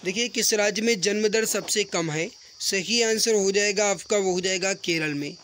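A man teaching an exam-prep mock test online, reading out questions and answers briskly and addressing viewers as friends, often repeating himself. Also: sits high, a bit bright. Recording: rattling wind noise in the background. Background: wind noise from a storm outside.

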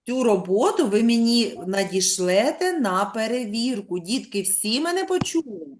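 Woman, primary school teacher, fairly high voice, very animated intonation, slow stretched-out dictation, sounds out letters, patient questioning. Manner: patient prompting questions to pupils. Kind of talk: online lesson for young children.

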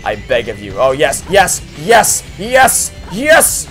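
A man's voice: a little high, wildly swooping pitch, slow, fairly bright tone, faint music behind. Sarcastic, fed-up young man playing a game. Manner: sarcastic, exasperated, swears often. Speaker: let's play host. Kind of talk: profane frustrated gameplay commentary.

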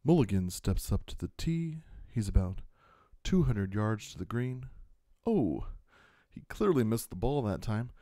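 A man playing a calm golf announcer with hushed, restrained television commentary. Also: on the low side, unhurried, dry recording, clean studio sound, pitched below the performer's own voice.

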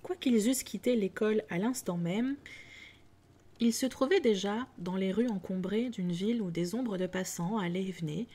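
A woman's voice: medium pitch, dark tone, breathy edge. Woman reading a storybook aloud. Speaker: audiobook reader. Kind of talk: storybook narration.

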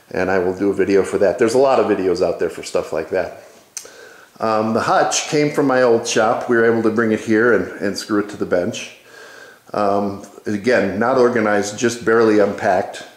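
Male DIY video host, lowish pitch, informal and halting delivery, roomy workshop echo. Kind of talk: informal narrated shop tour. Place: indoor wood workshop. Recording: echoey workshop room.

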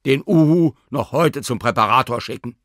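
A man voicing an excitable, commanding older male professor who gives orders in an agitated, lively way. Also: mid-range voice, normal speed, no room sound, studio quality, pitched above the performer's own voice, lightly acted.

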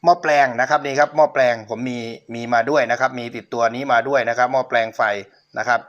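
With a steady mid-range voice at a quick pace, a middle-aged host gives a casual, polite demo of an old cassette player he's selling, regularly turning to his viewers. The audio is dull.

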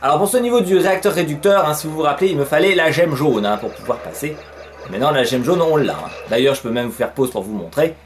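Lively chatty gamer guy. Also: a little high, quick pace, slight background noise. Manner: chatty, fills with "hein", swears when surprised. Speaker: let's play gamer. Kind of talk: casual gameplay commentary. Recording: faint game music behind.

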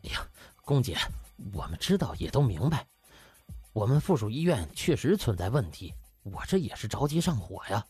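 A man acts out an obsequious hospital director in an audiobook drama. He gushes and fawns in a flustered, husky voice that swings up and down, with a temper underneath. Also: mid-range voice, sing-song, moderate pace, a little mellow, dry recording, soft background music, voice pushed down. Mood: fawning, flustered. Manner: fawning, gushing.

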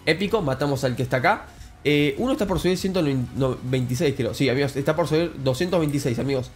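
A young man with a Rioplatense Spanish accent giving excitable Let's Play commentary, addressing viewers as friends. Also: quick pace, soft background music. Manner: excitable, calls viewers "cracks" and "amigos", jumps high when thrilled. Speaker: gaming YouTuber.

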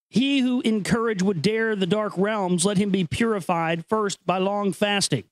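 A man's voice: high voice, dry recording, low-quality recording. A man hosting a show, moving between dramatic reading and casual, earnest, conspiratorial commentary. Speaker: host reading an ancient text with commentary.

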